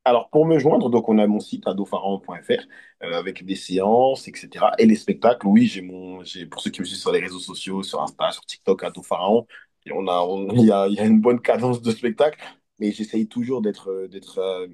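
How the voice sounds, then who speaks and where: A man from Côte d'Ivoire, a hypnotist, talking in an earnest, reflective and halting way as an interview guest. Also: lowish voice, dark tone. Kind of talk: casual interview conversation.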